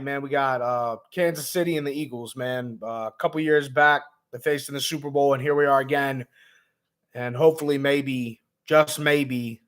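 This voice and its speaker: A man who is hoarse and raspy, hosting a laid-back gaming vlog livestream with lots of ums, talking to viewers as man and bro. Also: mid-range voice, fairly bright tone. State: hoarse, lost voice. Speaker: gaming vlogger host. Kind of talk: casual livestream chat.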